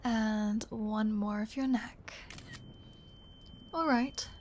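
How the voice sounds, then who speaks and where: A woman's voice: fairly high pitch, fairly even intonation, extremely slow, a little hiss or hum. A woman playing a flirty, teasing vampire with a sardonic, caring streak in an intimate ASMR roleplay, often dropping toward a whisper. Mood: hungry, playful. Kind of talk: ASMR roleplay audio drama.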